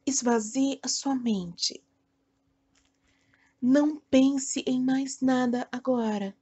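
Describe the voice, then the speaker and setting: A Brazilian woman leading a guided meditation in a soothing, deliberate way, speaking in short phrases with long pauses. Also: high voice, warm tone, breathy edge. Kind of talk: guided meditation, self-hypnosis narration.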